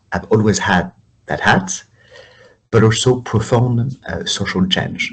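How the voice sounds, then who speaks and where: Somewhat breathy, a man with a strong French accent speaks at a fairly slow pace. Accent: heavy French. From France. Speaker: startup founder and CEO. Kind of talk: interview. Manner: hesitant, many fillers.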